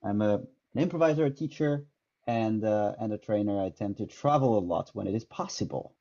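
A French man in his thirties with a French accent, an improv teacher, answers interview questions thoughtfully, with many fillers and restarts. His voice is on the low side, animated and dark, and fairly quick. He's on a headset on a video call from a small indoor room, and the audio is dull and lo-fi.

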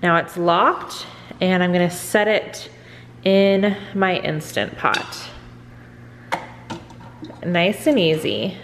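Woman, middle-aged, lowish voice, chatty cooking demo, home kitchen, long reverb. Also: animated, slow pace, pauses often, slight background noise. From Texas. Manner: chatty step-by-step explaining, frequent "go ahead". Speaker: cooking vlogger. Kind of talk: casual cook-along demonstration.

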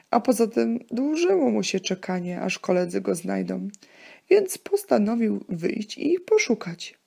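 A woman's voice: medium pitch, gravelly, dark tone, slightly rough. A woman narrating a scripted children's story as a storyteller.

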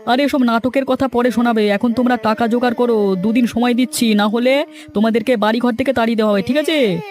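A man's voice: very high voice, fairly even intonation, fast talker, darkish tone. A man voicing a greedy, scheming cartoon land broker, pushy and threatening. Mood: threatening, bullying. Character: scheming, greedy male land broker who bullies villagers. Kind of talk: dramatic cartoon voice acting.

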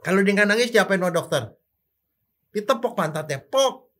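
An older man, a forensic doctor, explaining in casual chat with rhetorical questions and animated sound effects. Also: sits high, a little fast.

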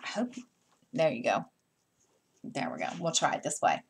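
A woman's voice: a bass voice, huge pitch swings, moderate pace, creaky, husky. A middle-aged woman chatting casually at home while she stitches, rambling with plenty of fillers and restarts. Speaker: stitching vlogger. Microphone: camera mic.

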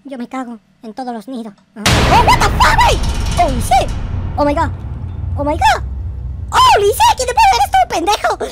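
A woman's voice: extremely high pitch, wildly swooping pitch, normal speed, heavy background noise. A woman hosting a gaming video, giving theatrical, slangy, profane Minecraft roleplay commentary full of exclamations. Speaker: gaming video creator and host.

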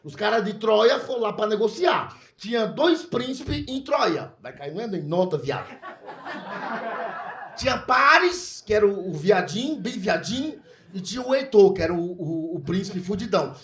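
A man doing a crude, animated stand-up comedy set, slipping into mock foreign voices as he tells his story. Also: high voice, normal speed. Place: comedy club stage with a live audience. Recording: echoey room, loud crowd laughter.

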